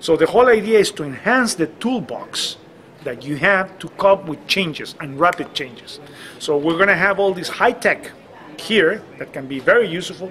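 With light background noise behind him, a man speaks at a moderate pace with lively intonation. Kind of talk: interview answer. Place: office.

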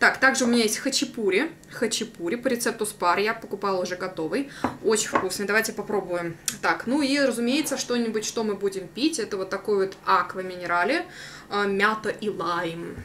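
A woman's voice carries ordinary pitch variation, with noticeable background noise behind it. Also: moderate pace. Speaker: mukbang vlogger. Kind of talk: casual vlog chat. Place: kitchen. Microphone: camera far.

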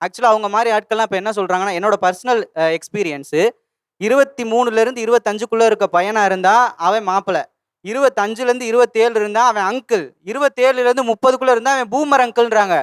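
Pitched high, a man's voice shows ordinary pitch variation. The recording is very clean with a silent background, dry and close with no echo. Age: 20s. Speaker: talk show panelist from groom's side. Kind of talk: talk show debate.

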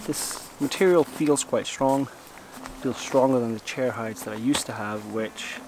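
A man talks at a moderate pace with ordinary pitch variation. The sound is dry with no echo, though background noise is noticeable. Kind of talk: product review vlog. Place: tent. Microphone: phone near.

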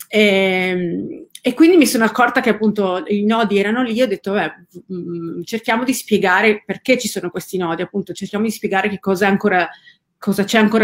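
Talking fairly quickly, a woman uses ordinary pitch variation. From Italy, living in New York. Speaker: journalist and author; journalist. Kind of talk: interview. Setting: video call. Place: home room.

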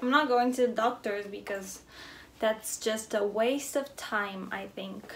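Speaking in a Portuguese accent, a woman reads at a fairly slow pace with a fairly high pitch and ordinary pitch variation. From Portugal. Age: 20s. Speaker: singer, songwriter and music teacher. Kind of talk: casual vlog talk to camera. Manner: casual, chatty. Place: home room. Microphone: phone near.

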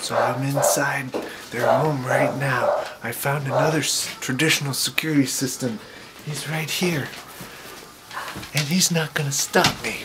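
Over loud background noise, a man talks at a fairly slow pace with long, frequent pauses. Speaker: comic burglar character. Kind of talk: comedy sketch narration to camera. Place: home room.

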